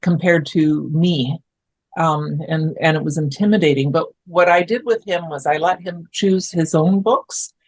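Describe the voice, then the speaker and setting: Somewhat breathy, the voice moves at a fairly slow pace. Its pitch variation is ordinary. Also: woman. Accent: Canadian. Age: 60s. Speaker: children's author. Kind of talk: interview.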